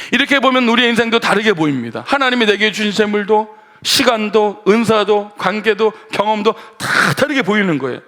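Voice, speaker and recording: A man preaching a sermon as pastor, asking the congregation questions and acting out imagined dialogue in a slower, hushed tone. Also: sits high.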